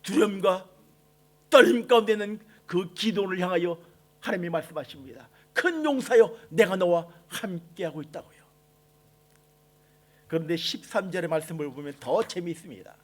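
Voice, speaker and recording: A male pastor giving a dawn-prayer sermon, moving between quiet passages and shouted, drawn-out lines. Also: sits high, lively intonation. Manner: swings between soft and shouted lines, quoting God with slow emphasis. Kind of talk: impassioned sermon.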